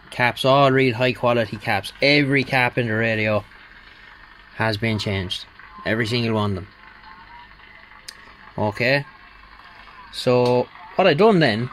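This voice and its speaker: A man speaks at an unhurried, slow pace in a middle-range voice, chatting loosely through a bench demonstration. He rambles, doubles back and fills gaps with ums and uhs. A faint hiss of noise sits under the recording. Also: medium pitch, a bit bright, low-quality recording. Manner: rambling and conversational, with many fillers. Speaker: radio repair hobbyist. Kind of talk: casual workshop demonstration.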